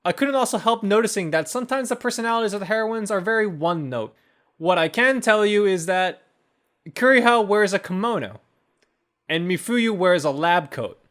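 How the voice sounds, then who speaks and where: A man's voice: sits high, lively intonation, moderate pace, a bit bright. A man reading a scripted review narration as the host. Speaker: video game reviewer and host.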